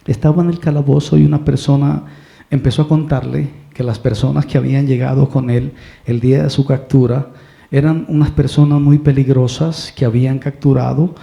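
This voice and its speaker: A male preacher with a Colombian Spanish accent, telling a story slowly and deliberately, acting out the dialogue. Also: medium pitch, steady tone, gravelly, warm tone. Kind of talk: sermon storytelling.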